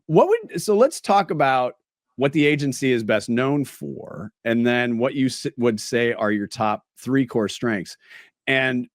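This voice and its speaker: A man hosting a casual interview, a little raspy and hoarse. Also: mid-range voice, no echo, clean studio sound. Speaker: podcast host.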